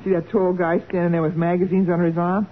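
Actress as a hard-boiled female crook, low-pitched for a woman, bossy, cocky, American, old radio drama, narrow scratchy sound. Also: flat delivery, fast, natural voice. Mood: urgent, wary. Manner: brash, slangy, bossy. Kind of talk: 1940s radio crime drama acting. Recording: scratchy, narrow-band 1940s radio recording.

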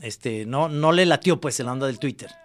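A man's voice: mid-range voice, moderate pace. A man with a Mexican accent co-hosting a podcast, laughing, teasing and swearing casually. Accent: Mexican Spanish. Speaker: podcast co-host. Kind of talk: casual chat.

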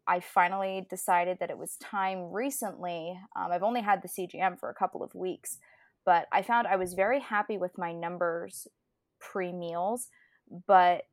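Young woman podcast co-host, lowish voice, chatty and rambling, dry close recording. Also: dry recording. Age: 20s. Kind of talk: casual chat.

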